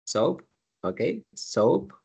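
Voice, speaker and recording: A man's voice: mid-range voice, big pitch swings, drawn-out words, vocal fry, a little mellow, breathy edge. Patient male teacher. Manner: patient, explains step by step, drills pronunciation. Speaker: English teacher. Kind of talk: classroom teaching.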